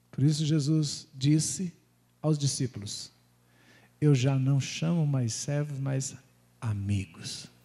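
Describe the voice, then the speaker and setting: A man's somewhat breathy, fairly high voice with a dark, mellow tone, very slow with long, frequent pauses and ordinary pitch variation. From Brazil. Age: 50s. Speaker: pastor. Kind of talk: sermon. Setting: church. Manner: animated. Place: church. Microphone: handheld.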